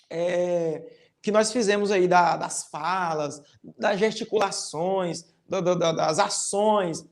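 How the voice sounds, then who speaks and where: This is a teacher with a Brazilian accent, talking a class of children through a recorded lesson. The explanations go one careful step at a time, with a tag question closing many phrases. Sample sentences get read aloud with strongly exaggerated rises and falls in pitch. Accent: Brazilian Portuguese. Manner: reads quoted lines with exaggerated intonation. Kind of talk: recorded online class for fifth graders.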